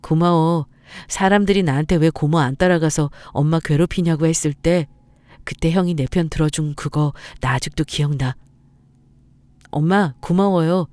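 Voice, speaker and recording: An actor playing a grateful young son at his wedding in a radio drama, speaking with heartfelt warmth. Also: a little high, dry recording, close to an everyday voice. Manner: heartfelt and warm.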